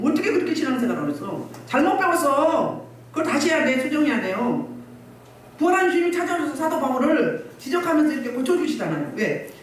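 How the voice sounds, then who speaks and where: A woman pastor preaching a sermon, scolding and exhorting with rhetorical questions, recorded from a distance in a church hall. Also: on the high side. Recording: echoey distant church recording, faint noise.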